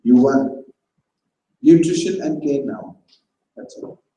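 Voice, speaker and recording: Man as a brisk, grave doctor. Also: medium pitch, expressive, mellow, roomy sound, lo-fi sound. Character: brisk middle-aged male doctor.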